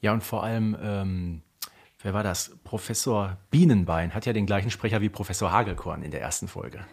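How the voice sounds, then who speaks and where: A man's voice: fairly low pitch, fairly quick, breathy edge. A man co-hosting a podcast, explaining things about fictional characters in a casual, emphatic, conversational way. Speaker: podcast co-host. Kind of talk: casual fan discussion of audio drama characters.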